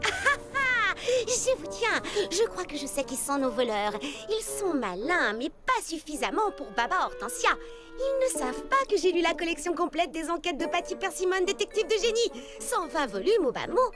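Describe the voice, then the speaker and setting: A woman's voice: extremely high pitch, very animated, normal speed, loud music behind the voice. A woman playing a theatrical, boastful and muddled lady sleuth in a children's cartoon dub. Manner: pompous, dramatic.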